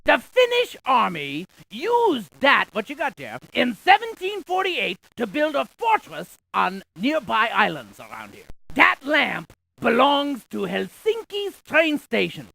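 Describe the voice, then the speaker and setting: High, swooping quirky scientist. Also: female voice, huge pitch swings, a little slow, gravelly, sharp tone, no room sound, exaggerated voice, low-quality recording. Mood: chatty, informative. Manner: punning, emphatic, theatrical delivery. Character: quirky, chatty female scientist spouting geography trivia. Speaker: in-game educational guide. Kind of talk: animated educational game character lines.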